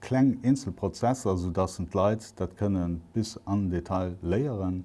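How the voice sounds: A man speaks with a low pitch and a dark, mellow tone.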